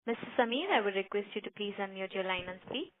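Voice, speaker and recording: A woman's voice: mid-range voice, animated, fast, no echo. A woman formally moderating a conference call as the operator. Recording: dry narrow tinny phone line.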